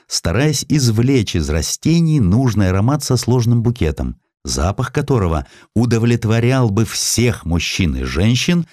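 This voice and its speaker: A man narrating a historical sketch as an audiobook, telling it expressively and slowing down for quoted lines. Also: no echo, clean studio sound. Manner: expressive storytelling, voices quotes with shifts of pitch and slowing down.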